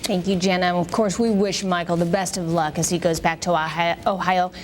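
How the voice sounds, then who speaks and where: A woman news anchor speaks in a somewhat low register. She has a presenter's delivery for linking stories. Faint noise can be heard behind her. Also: steady tone, fairly quick.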